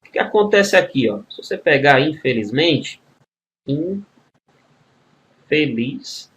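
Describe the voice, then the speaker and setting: A man's voice: medium pitch, very animated, measured pace, fairly bright tone. A man with a Brazilian Portuguese accent teaching a grammar lesson for exam preparation, walking through questions step by step and checking with the students as he goes. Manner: explains step by step, with constant tag questions; addresses students as a group. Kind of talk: recorded exam-prep video lesson.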